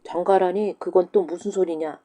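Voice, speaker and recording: A woman voicing a stern widowed village schoolmaster with a gruff, old-fashioned way of scolding, in a folktale audiobook. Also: lowish voice, steady tone, moderate pace, dark tone, lightly acted.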